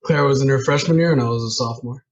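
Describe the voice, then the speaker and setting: A man's voice: medium pitch, rapid-fire, highs cut off. A man from Southern California in his thirties, answering interview questions plainly as a business owner. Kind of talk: casual interview talk.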